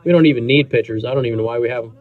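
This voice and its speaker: A man's voice: medium pitch, racing, phone-quality sound. A man in his thirties, a fill-in radio host who has been losing his voice, chatting casually and joking between segments. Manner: joking, throat-clearing, banter about baseball. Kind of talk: casual off-air chat during a live stream.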